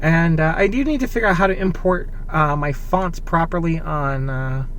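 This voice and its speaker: A man's voice: a little high, normal speed, fairly bright tone, a little hiss or hum. A man talking casually and enthusiastically to viewers as he demonstrates and updates a tech project. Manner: enthusiastic, conversational. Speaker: tech video creator.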